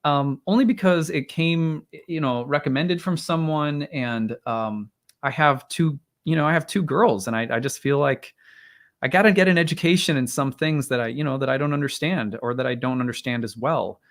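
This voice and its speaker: A man in his thirties or forties hosting an astrology livestream. He talks casually and rambles, with many fillers and restarts, and clears his throat now and then because his voice is strained and tiring. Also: fairly high pitch, normal speed. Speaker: astrologer, live stream host. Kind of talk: casual livestream talk and chart reading.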